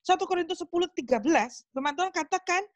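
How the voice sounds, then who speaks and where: A woman's voice: very high-pitched, lively intonation, fast, dry recording. A woman preaching a casual sermon, chatty and acting out little dialogues. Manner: chatty, acts out dialogues with God. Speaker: preacher at a small group meeting.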